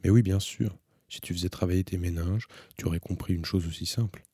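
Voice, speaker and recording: A man's voice: low voice, fairly even intonation, brisk, dark tone, slightly rough, no room sound, studio quality. A man reading an audiobook, voicing a blunt, teasing teenage girl who fires insistent, needling questions. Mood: mocking.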